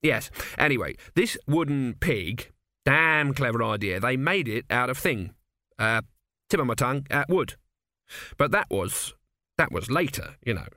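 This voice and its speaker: A man's voice: medium pitch, big pitch swings, measured pace, sharp tone, no echo, studio quality. A man voicing a forgetful old male storyteller who rambles, loses track and corrects himself. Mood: rambling. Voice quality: muddled, meandering, losing the thread.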